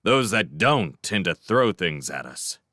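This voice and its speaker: A man's voice: deep voice, big pitch swings, measured pace, bright, forceful tone, dry recording, studio quality, heavily acted. A man reading aloud, voicing a shifty spirit disguised as a street orphan, speaking in a sulky, whiny way. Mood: sulky complaining.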